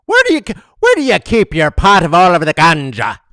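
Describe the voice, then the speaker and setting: A goofy male leprechaun with a put-on Jamaican accent, as a man plays him. The voice jumps high and yelps in a cartoonish way. It is dry and close to the mic. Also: huge pitch swings, a little fast, sharp tone, no echo, exaggerated voice. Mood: teasing. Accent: put-on Jamaican patois.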